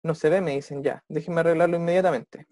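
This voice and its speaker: An English teacher, giving an online class over a video call, who ends nearly every phrase with a checking question and slows down to model English phrases. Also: medium pitch, fairly even intonation, mellow.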